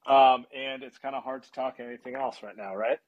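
A man talking as a guest on a casual sports podcast, relaxed and friendly. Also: medium pitch, fairly quick, highs cut off.

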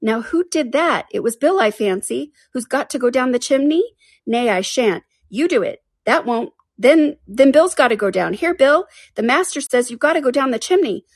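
A woman voicing bustling little animal workers in a storybook, bossy and brisk as they give orders. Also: high voice, animated, no room sound, clean studio sound, voice pushed up. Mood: squabbling. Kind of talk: storybook character voice.

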